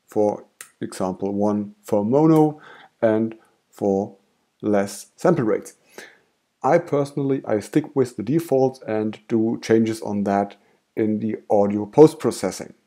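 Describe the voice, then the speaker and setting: German guy walking you through code slow and steady, mellow low-key voice. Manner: calm step-by-step explaining. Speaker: tutorial host. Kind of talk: screen-recorded software tutorial.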